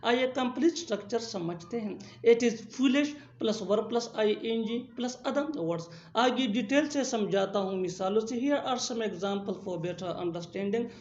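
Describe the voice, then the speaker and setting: A woman narrating a scripted English lesson, slowly and deliberately, repeating each example sentence twice. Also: on the high side, a little mellow. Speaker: English teacher. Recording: roomy, slightly dull recording.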